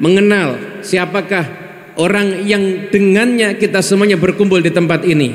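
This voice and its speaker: Audible room echo surrounds a man with a high pitch who talks at a moderate pace with ordinary pitch variation. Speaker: speaker. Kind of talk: sermon. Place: hall. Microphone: podium.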